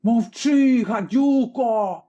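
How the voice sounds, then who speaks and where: A man voicing a vicious old tavern-keeping woman called a witch in a told story, shrill and screeching. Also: extremely slow, darkish tone, dull audio, soft background music. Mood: spiteful.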